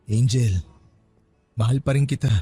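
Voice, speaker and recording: A man's voice: mid-range voice, measured pace, warm tone, husky, soft background music. A man playing an earnest, lovestruck young suitor in a radio romance drama, pleading insistently.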